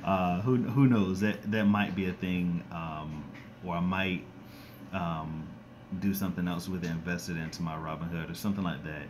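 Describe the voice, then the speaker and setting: A man with a very deep, low voice talks casually to his live-stream viewers. A scratchy throat from a cold leaves him raspy and monotone, and he speaks haltingly, filling gaps with ums and restarting his sentences. A faint hiss sits behind the voice. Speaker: YouTuber doing a live stream. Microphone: close to the screen and device.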